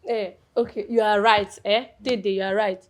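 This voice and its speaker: An actress playing an excitable young best friend with a Nigerian accent who asks eager questions. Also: female voice, medium pitch, moderate pace, natural voice. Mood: firm. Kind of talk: Nollywood film acting.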